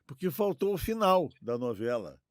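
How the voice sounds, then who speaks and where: A man's voice: fairly high pitch, very animated, moderate pace, dry recording, studio quality. A man with a Brazilian accent hosting a podcast in a conversational way. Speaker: host.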